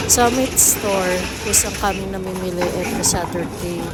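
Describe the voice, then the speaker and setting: A woman's voice: mid-range voice, normal speed. Filipino woman vlogger over noisy background. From Philippines. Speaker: family vlogger. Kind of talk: casual vlog narration and chat.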